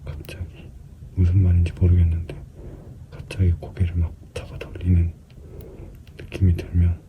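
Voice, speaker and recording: A man giving a casual explanatory commentary as a skin care practitioner at work, hesitant at times and now and then dropping to a soft murmur. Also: low-pitched, monotone, normal speed, in a whisper, muffled recording. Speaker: skin clinic practitioner narrating an extraction procedure. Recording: clearly noisy room recording.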